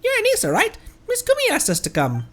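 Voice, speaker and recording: A woman voicing a tiny, cheeky female companion sprite with a childlike squeak for a video game. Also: huge pitch swings, fast. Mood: chirpy, helpful.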